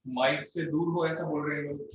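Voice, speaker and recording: A man's voice: fairly high pitch, steady tone, normal speed, dull audio. A man teaching a live online electronics class from a studio, his voice bathed in heavy echo and sounding far from the mic. He talks in a firm, blunt way. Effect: heavy echo, as if shouting in a canyon. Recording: echoey, distant studio mic with faint noise.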